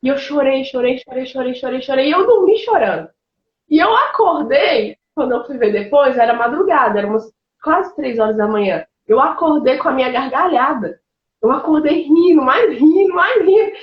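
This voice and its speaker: A woman's voice: high voice, a little fast, roomy sound, lo-fi sound. A woman pastor, telling her personal testimony in an interview with emotion and bursts of laughter. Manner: emotional, animated storytelling with laughs and colloquial fillers.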